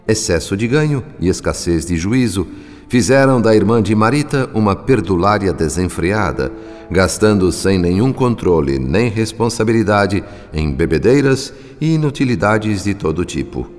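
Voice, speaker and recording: A solemn spirit analyst. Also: male voice, lowish voice, very animated. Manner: measured, solemn, literary storytelling. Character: reflective male spirit doctor, calm analyst. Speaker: narrator. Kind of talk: radio drama narration. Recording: reverberant with background music.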